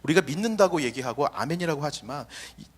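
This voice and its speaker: A young male pastor preaches with a lively, swooping voice, leaning into the imagined quotes he acts out. His words trail into a long reverb from the church hall around him. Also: fairly high pitch, fast, breathy edge. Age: young adult. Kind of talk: sermon. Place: church sanctuary.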